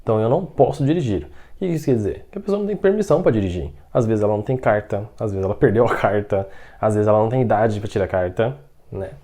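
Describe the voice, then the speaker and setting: His voice is on the low side with a dark tone: a Mandarin teacher with a Brazilian Portuguese accent teaching a language lesson. Patiently explaining, he repeatedly checks on the learner and slows right down to demonstrate example sentences.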